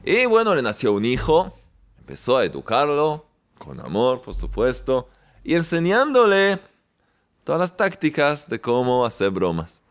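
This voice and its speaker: Slow, expressive male preacher. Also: medium pitch. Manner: warm-hearted, repetitive, chuckling often. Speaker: spiritual teacher. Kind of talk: sermon-like talk with jokes.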